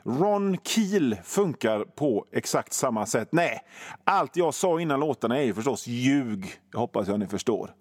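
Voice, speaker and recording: A man's voice: mid-range voice, no echo, clean studio sound. A middle-aged man hosting a radio show, telling absurd made-up stories with swearing and big swings in his delivery. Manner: absurd tall tales told with lively swings and swearing. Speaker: radio host. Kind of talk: comic storytelling on radio.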